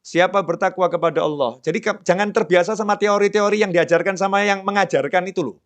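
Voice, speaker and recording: Talking fast, a middle-aged preacher gives a conversational sermon and lowers his voice into a softer register whenever he acts out prayers or dialogue.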